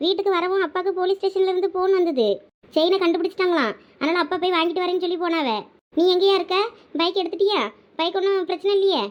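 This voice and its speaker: Casting: woman as anxious, nagging village mum for a cartoon, Thoothukudi Tamil accent, piercingly high, quick delivery. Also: steady tone, dull audio. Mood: worried, scolding. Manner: scolding, complaining, repetitive. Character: exasperated, anxious village mother fretting over her children. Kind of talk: cartoon village drama dialogue.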